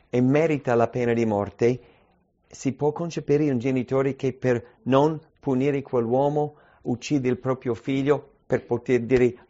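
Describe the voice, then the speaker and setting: A man's voice: mid-range voice, warm tone. Emphatic male preacher, lo-fi sound. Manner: emphatic, asks many rhetorical questions. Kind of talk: sermon.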